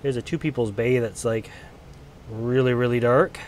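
A man's voice: mid-range voice, steady tone, moderate pace, a little mellow, slight background noise. Guy with a bit of a cold rambling through his plant shelves, lots of ums, holding the camera. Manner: chatty, loose, lots of ums and restarts. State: getting over a cold. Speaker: plant grower showing his collection. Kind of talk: casual filmed walk-through. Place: indoor grow area under bright lights.

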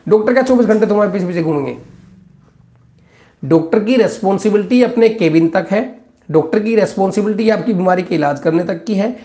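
A man in his thirties, speaking as a doctor answering viewer questions in a live stream. His voice sits high and his advice comes out blunt and scolding, and he calls his listeners brother and son. It's recorded on a phone close up in a small, echoey office. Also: fairly quick, mellow. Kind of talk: live Q&A consultation.

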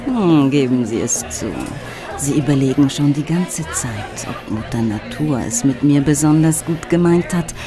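An actress playing a flirtatious, catty, ambitious starlet in a radio play, with a coquettish, teasing delivery. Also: female voice, deep voice, a little slow. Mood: seductive. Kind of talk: German radio play acting. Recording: party crowd and music behind.

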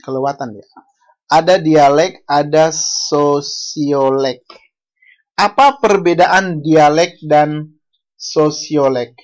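A university lecturer from Bali gives an online language lecture over a video call. They ask the class questions and correct themselves as they go. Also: mid-range voice. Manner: unhurried, asks the class questions, self-correcting.

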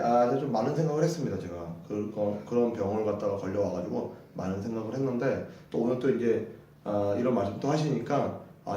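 A man's voice: mid-range voice, mellow, distant mic, slight background noise. A man teaching English to a class, repeating short phrases for the students to echo and chatting between drills. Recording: very echoey hall, voice from afar.

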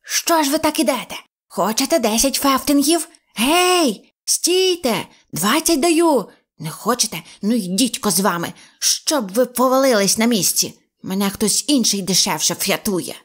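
A woman's voice: medium pitch, lively intonation, normal speed, natural voice. A woman voicing a stingy old rich man who lisps, swapping r for f, and whines and grumbles while haggling. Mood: panicked. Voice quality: lisping, says f instead of r. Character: stingy rich old male shorty, whiny and stubborn.

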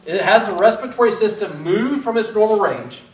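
Middle-aged guy teaching in a mask, kinda high voice, roomy echo, camera way back, laid-back and jokey w/ the class. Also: lively intonation, a little fast. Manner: casual, self-deprecating, asks students questions. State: speaking through a face mask. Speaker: respiratory therapy instructor. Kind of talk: classroom whiteboard lecture. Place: large classroom with whiteboard. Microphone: far camera. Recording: echoey room from far off.

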